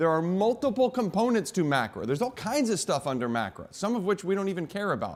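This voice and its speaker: A man speaks with a high pitch and very wide swings in it. The recording is very clean, with a silent background. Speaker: podiatrist and coding advisor presenting a seminar. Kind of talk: lecture. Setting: seminar room with audience.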